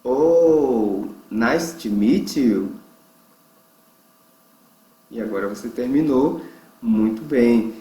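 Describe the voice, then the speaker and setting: A man from Brazil leads an online English lesson at a mid pitch. He stops often to stretch out example words slowly for learners to repeat. His voice bounces around a noticeably echoey room. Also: a little mellow. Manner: slow, drawn-out pronunciation drills. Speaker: English teacher.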